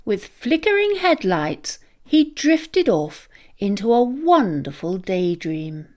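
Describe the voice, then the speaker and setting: A woman reading a children's story aloud as an expressive, deliberate, sing-song narrator. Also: medium pitch. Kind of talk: animated scripted read-aloud narration for children.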